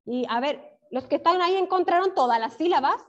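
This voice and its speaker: High-voiced Chilean woman teacher. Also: lively intonation. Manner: encouraging, praises pupils by name; stretches words out slowly, syllable by syllable. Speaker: primary school teacher. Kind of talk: online class for young children. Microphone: video call. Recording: dull lo-fi video call audio.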